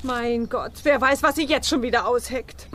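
A fairly high-voiced, exasperated wife and mother, played by an actress, bossy in children's audio-play style. Clear noise and clicks sit behind her. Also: moderate pace, natural voice. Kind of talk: children's audio drama acting. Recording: noisy background with clicks.

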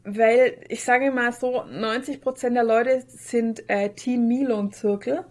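A woman's voice: a little high, fairly even intonation, slow pace. A woman chatting casually and eagerly as a podcast co-host, often jumping in.

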